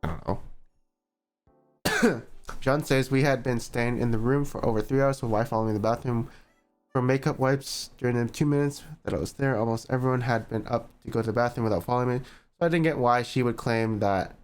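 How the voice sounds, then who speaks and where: A male streamer reads a long written statement aloud in a mid-pitched voice, skimming ahead and waving off chunks as filler. Between passages he drops wry, sarcastic comments. Faint music plays underneath. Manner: skims text, skipping parts with "blah, blah". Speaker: streamer reacting to a post.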